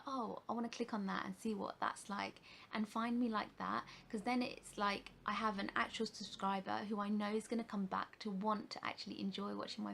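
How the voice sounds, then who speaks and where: Uk woman vlogging about makeup, lots of ums and restarts, creaky voice. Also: medium pitch, fairly bright tone, a little hiss or hum. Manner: chatty, rambling, many fillers and restarts. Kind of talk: casual rambling talk to camera.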